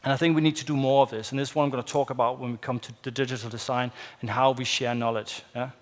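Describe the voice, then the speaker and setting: A middle-aged Danish-accented man gives a conference talk in English, his second language. He pauses often with fillers and keeps checking in with the audience with a quick "yeah?". His voice sits at an ordinary pitch and rings with the long reverb of a big hotel hall. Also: steady tone. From Denmark. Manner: hesitant, many fillers, tag question "yeah?". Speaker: conference speaker. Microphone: headset or lapel mic, far camera.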